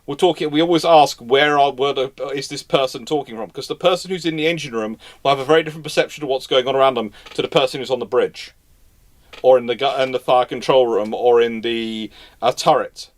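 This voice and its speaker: In a casual live history Q&A, the host, a man, responds to audience questions with informal, knowledgeable talk. His medium-pitched voice runs a little fast, and he tends to restart and repeat his phrases.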